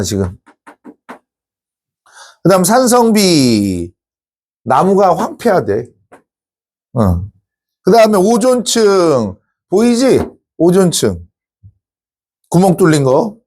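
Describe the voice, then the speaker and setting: Male teacher, casual classroom lecture, slightly high voice that swings widely in pitch, informal and teasing with students. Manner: chatty, teasing asides to students; lively, informal.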